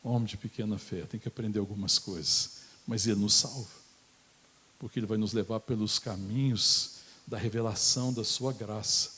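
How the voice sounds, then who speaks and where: A Brazilian pastor preaching in church with a fairly low, husky voice. He speaks with passion and repeatedly calls out to his congregation. His delivery swells into loud, urgent cries. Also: steady tone, normal speed. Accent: Brazilian Portuguese. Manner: impassioned, rises to shouted pleas. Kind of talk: sermon.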